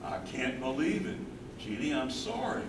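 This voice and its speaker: A man playing a concerned, gentle, supportive husband in a staged play reading. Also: mid-range voice, very animated, normal speed, far from the mic, close to an everyday voice. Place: live staged reading in a room. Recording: echoey, noisy room from afar.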